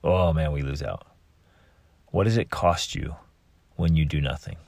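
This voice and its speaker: A man's voice: a bass voice, a little slow, darkish tone, dry recording. A man hosting a motivational monologue, earnestly asking the listener rhetorical questions and often repeating and restarting words. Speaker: podcast host.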